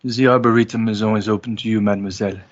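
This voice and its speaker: A man's voice: lowish voice, fairly even intonation, lightly acted. Man playing a courtly ancient male, muffled sound. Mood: courteous. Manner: formal, deliberate, courteous. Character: centuries-old, courtly male being, grave, protective and loyal.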